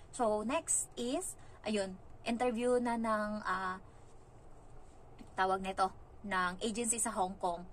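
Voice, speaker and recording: A young woman from the Philippines telling her story casually as a vlogger, chatty and animated, acting out other people's lines in passing. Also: mid-range voice, slight background noise.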